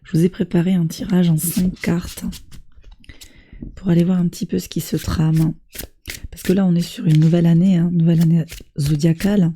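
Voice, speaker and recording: A woman with a hoarse voice from a cold, doing a tarot reading and gently encouraging her viewers. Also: fairly low pitch, little pitch movement, moderate pace, slight background noise. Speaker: tarot reader.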